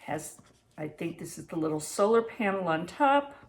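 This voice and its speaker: Her voice is on the low side and expressive, moving at a normal speed. She's a woman in her sixties vlogging from her home kitchen, chatting plainly and practically to camera about preparedness and giving a product review.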